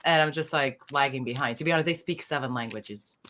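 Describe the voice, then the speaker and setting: Low-voiced woman. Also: fast talker, a bit bright. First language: Slovenian. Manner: chatty and self-deprecating, with fillers and restarts. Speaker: voice actor on a fan Q&A panel. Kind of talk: casual panel chat.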